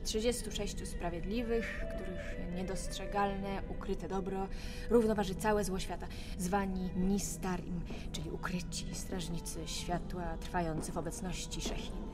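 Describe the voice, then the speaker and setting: A woman playing a brisk, composed and wry space traveller in a science-fiction radio drama. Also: lowish voice, steady tone, natural voice. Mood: thoughtful. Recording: loud music behind the voice.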